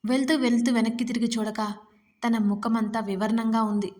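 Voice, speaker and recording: A woman's voice: fairly high pitch, steady tone, normal speed, darkish tone. Woman narrating an emotional audio story. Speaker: writer and narrator.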